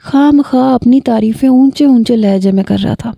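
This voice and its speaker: A woman narrating a romantic story in a steady, measured reading. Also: fairly high pitch, gravelly, no echo.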